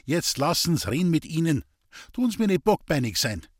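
In clean studio sound with no room noise, a man reads a storybook at normal speed, voicing an earnest, coaxing village priest who speaks Bavarian dialect. The character's voice is fairly high and sing-song, pitched above the performer's own.

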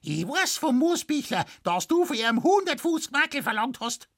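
A man voicing a shrill, nosy, greedy old Bavarian woman who scolds and yaps, with a Bavarian accent. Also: big pitch swings, moderate pace, a bit bright. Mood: shrieking indignant. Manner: yapping and snappish.

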